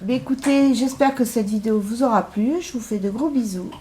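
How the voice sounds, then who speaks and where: A woman's voice: on the high side, brisk, darkish tone, slight background noise. A middle-aged woman chatting casually in a shopping haul video, hesitant with lots of fillers. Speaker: haul vlogger. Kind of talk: casual chat.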